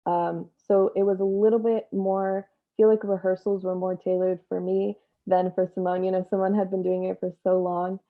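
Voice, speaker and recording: Dull lo-fi audio, young woman, slightly low voice, fairly flat intonation, some creak, casual guest chat. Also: moderate pace, hardly any pauses. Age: young adult. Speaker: actor, interview guest.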